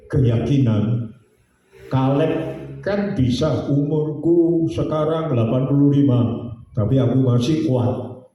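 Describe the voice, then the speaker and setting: Slow, echoey elderly preacher. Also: male voice, medium pitch, warm tone. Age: 70s. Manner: drawn-out, sing-song preaching with homely jokes. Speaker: pastor. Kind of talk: sermon. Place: church sanctuary. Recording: very echoey church hall, distant mic.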